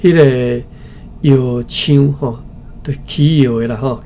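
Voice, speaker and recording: A man with a Taiwanese accent reads a historical text aloud as a study session presenter, haltingly, often repeating phrases and adding informal asides. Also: mid-range voice, steady tone, warm tone. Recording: clearly noisy recording with background ambience.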